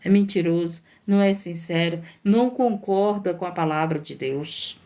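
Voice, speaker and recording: A woman's voice: fairly low pitch, normal speed, mellow. Woman preaching an exhorting sermon. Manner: repetitive, exhorting, emphatic rhetorical questions. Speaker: missionary preacher.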